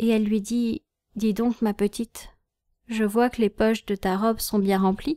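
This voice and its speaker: A woman speaks at a very slow pace and a fairly high pitch, her tone warm, soothing, dark and mellow. Her intonation is fairly even, in a dry, close sound with no echo. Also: very clean recording, silent background. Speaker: hypnotherapist and storyteller. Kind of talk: hypnosis-style storytelling for children, told as a calm bedtime tale. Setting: video recorded to camera. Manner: slow, soothing, gentle, soft-spoken; warm, direct address to the child.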